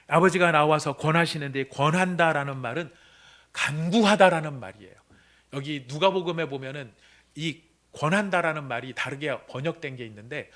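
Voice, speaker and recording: Male senior pastor, sermon, bright tone, dramatic swings from hush to shouting. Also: a little high. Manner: dramatic, swings from hushed whispers to loud outbursts when voicing the son. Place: church sanctuary.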